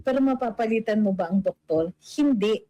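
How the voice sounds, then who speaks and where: A woman's voice: medium pitch, normal speed, dark tone, dry recording, poor audio. A middle-aged woman giving casual political commentary and reading viewer comments aloud, chatty, with many fillers and English mixed in. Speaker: political vlogger.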